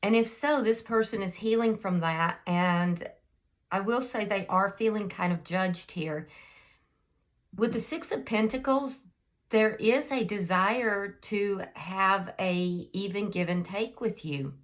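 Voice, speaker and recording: A woman with a slightly hoarse voice from a cold, giving a casual tarot reading and thinking aloud with frequent ums. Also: medium pitch, takes it slowly. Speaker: tarot reader.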